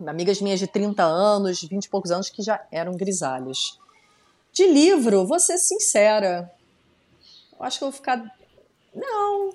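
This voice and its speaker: At a fairly slow pace with long, frequent pauses, a woman of medium pitch speaks with very wide pitch swings. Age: 40s. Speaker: style consultant and content creator. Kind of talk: casual chat.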